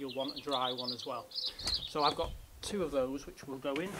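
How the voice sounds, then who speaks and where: A man at a moderate pace over loud background noise. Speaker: youth expedition instructor. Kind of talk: tutorial. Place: garden.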